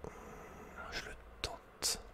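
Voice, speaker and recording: Whispering Frenchman, casual gaming ASMR. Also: very slow. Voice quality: breathy, unvoiced whisper. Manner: casual, slangy, muttering to himself. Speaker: ASMR video game streamer. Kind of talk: whispered ASMR gameplay commentary. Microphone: close microphone.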